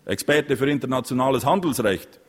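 A man's voice: mid-range voice, a little fast, slightly rough, big-room sound, pitched above the performer's own voice, natural voice. A man voicing a mocking, grumpy mayor. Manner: mocking, rattling off questions. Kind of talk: audiobook reading.

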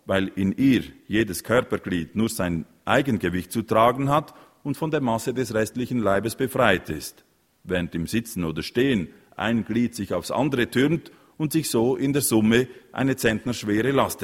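Low-voiced male audiobook narrator. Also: animated, measured pace, long reverb tail.

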